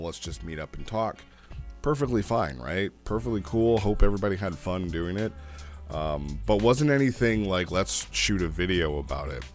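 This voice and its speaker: Male review host, deep register, chatty and opinionated, faint music underneath. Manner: conversational, opinionated. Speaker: host reviewing roleplay logs. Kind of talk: casual review commentary. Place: home recording studio.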